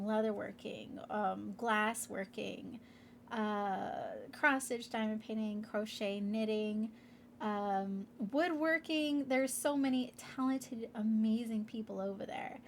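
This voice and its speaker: A woman's voice: a little high, slight background noise. Congested, nasal-sounding woman vlogger. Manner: rambling, with many fillers. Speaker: crafting channel host. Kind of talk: casual chatty vlog.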